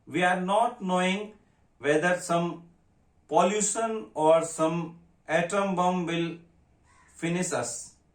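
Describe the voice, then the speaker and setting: A man with a high voice speaks at a very slow pace, leaving long, frequent pauses, his pitch varying in an ordinary way amid audible room echo. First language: Hindi or an Adivasi language. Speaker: professor. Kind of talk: lecture. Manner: halting.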